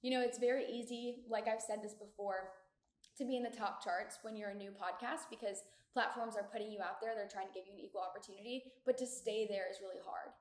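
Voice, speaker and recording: A woman's voice: medium pitch, fairly even intonation, fast. A woman in her twenties hosting a casual solo podcast, talking in an upbeat, chatty way with lots of filler words, recorded in an echoey community room. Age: 20s. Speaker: podcast host. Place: echoey shared community room in an apartment building.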